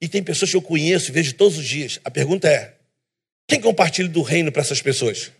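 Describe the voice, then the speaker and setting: A man preaching a sermon in a church, emphatic and animated, with self-deprecating humor. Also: a little high, fast, gravelly, slightly rough.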